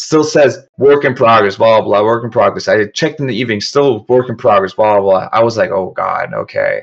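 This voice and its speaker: A man at medium pitch, with ordinary pitch variation and a fairly quick pace. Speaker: competitive video game player. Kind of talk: casual chat. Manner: animated storytelling.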